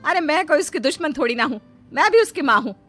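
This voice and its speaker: A woman's voice: sits high, animated, fast talker, soft background music. A woman voicing a stern, scolding middle-aged mother-in-law in a cartoon story. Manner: sharp, bossy, complaining.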